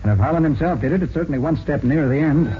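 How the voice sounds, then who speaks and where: Guy playing american master detective, old radio show, brisk n sure of himself, muffled hissy recording. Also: fairly high pitch, lively intonation, close to an everyday voice. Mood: businesslike. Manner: brisk, declarative, commanding. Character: confident master detective, shrewd and authoritative. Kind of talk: 1940s radio acting.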